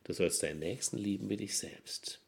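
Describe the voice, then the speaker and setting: Male pastor, low husky voice, earnest sermon with swelling emphasis. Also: normal speed. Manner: earnest preaching with strong swells in loudness and pitch.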